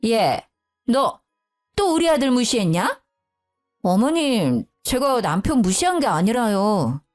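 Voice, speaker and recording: A woman's voice: on the high side, very animated, slow, darkish tone, soft background music. A woman voicing an older mother-in-law who harshly berates her daughter-in-law. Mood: scolding.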